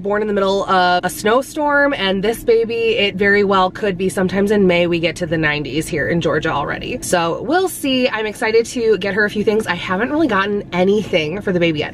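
A woman's voice: mid-range voice, a little hiss or hum. A pregnant woman in her thirties chatting to camera in a parked car, rambling casually with lots of fillers. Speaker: vlogger, mom. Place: parked car, then a store. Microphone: camera held at arm's length.

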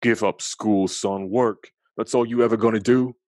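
A man voicing a stern, bitter field labourer in a storybook, barking curt orders loudly. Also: on the low side, steady tone, moderate pace, no echo, clean studio sound, lightly acted. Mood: harsh, commanding.

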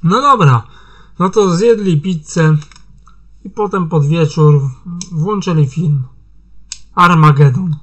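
A man's voice: on the high side, slow, pauses often, a bit bright. A man reading his own fan fiction aloud in a loose, casual manner, with slang and heavy swearing. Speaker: amateur fan fiction reader. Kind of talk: casual story narration.

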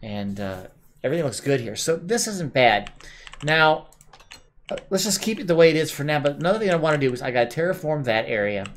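A man hosting a gameplay video, calmly explaining his build step by step with plenty of "uh"s, while his voice is going a bit hoarse. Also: fairly high pitch, fairly quick, a little hiss or hum. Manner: relaxed, explaining step by step with many "uh"s. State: losing his voice. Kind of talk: casual building commentary.

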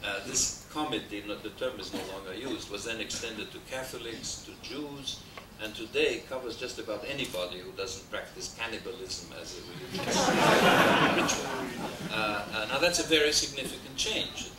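A man's voice: lowish voice, expressive, moderate pace, few pauses. An older man from Austria with an Austrian German accent, giving an academic lecture at a desk microphone, hesitating often and adding dry asides. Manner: discursive, frequent hesitations, dry humor. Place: wood-paneled lecture hall. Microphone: desk mic on stand. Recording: roomy, distant, noisy VHS transfer.

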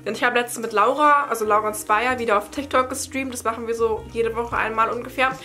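A woman's voice: a little high, fairly even intonation, fast, sharp tone. A young woman from Berlin talking casually and explaining things, like a vlogger answering questions to camera. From Berlin, Germany. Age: young adult. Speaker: study-advice vlogger. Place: bright attic room at home.

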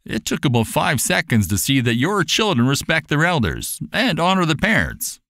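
A man's voice: fairly high pitch, huge pitch swings, moderate pace, bright, forceful tone, no room sound, clean studio sound, voice pushed up, exaggerated voice. A man voicing a kindly, devout fair owner in a storybook, speaking in an earnest, preaching, emphatic way. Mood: warm, assured.

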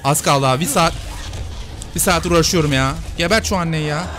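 Gamer guy, excitable, slightly high voice, loud game music underneath, casual play commentary. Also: a little fast. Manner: excitable, yells at the screen. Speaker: gaming youtuber.

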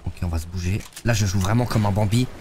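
A man's voice: fairly low pitch, fast talker, background noise. Slangy young man streaming, stuffy cold. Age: young adult. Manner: slangy, loose, talks to chat while playing. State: congested with a head cold. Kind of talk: live gameplay streaming, chatting with viewers. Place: streaming room, seated in a gaming chair.

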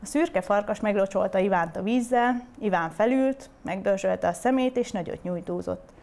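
A woman at a middle pitch reading a fairy tale aloud. She narrates in a steady, clear storytelling manner.

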